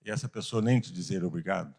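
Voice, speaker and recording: A Sunday school teacher with a Brazilian Portuguese accent teaches a Bible class earnestly, posing rhetorical questions and pausing for emphasis. His voice is low and a little mellow, with vocal fry.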